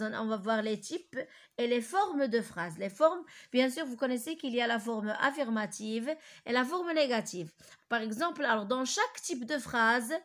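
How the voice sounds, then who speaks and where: Lady teacher doing a french grammar lesson, highish voice, lots of euh and restarts. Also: a bit bright. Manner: hesitant, many fillers and restarts; repeats key words slowly for dictation.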